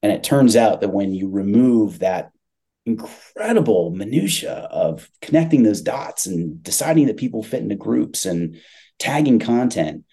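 Deep-voiced man, mellow and emphatic. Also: lively intonation, moderate pace, creaky, husky. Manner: emphatic, repeats phrases for stress. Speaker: podcast guest, tech company CEO. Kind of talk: conversational business discussion.

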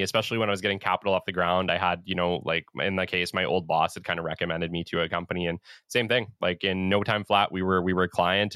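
Relaxed, chatty male podcast host. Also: low voice, smooth, dry recording, clean studio sound. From Western Canada. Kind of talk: casual interview chat.

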